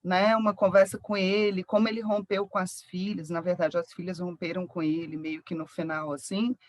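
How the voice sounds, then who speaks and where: A woman from Brasília, a student describing her book project over a video call, telling it in a lively way. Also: lowish voice, moderate pace, no room sound.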